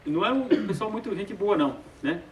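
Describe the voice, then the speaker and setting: A man's voice: high-pitched, lively intonation, quick pace, lo-fi sound, a little hiss or hum. A man teaching a casual Bible study, with hesitant filler sounds and frequent chuckles. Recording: roomy sound from a distant mic.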